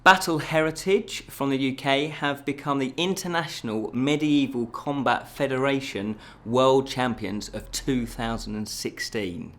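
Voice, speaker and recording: A man's voice: medium pitch, unhurried, hardly any pauses. A man presenting scripted news items as a show host, in a casual, chatty way with jokey asides.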